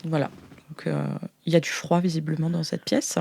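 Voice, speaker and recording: A woman's voice: sits low, level tone, brisk, gravelly, darkish tone, slightly rough. A woman improvising narration as game master of a sci-fi tabletop roleplay, hesitant and searching for her words.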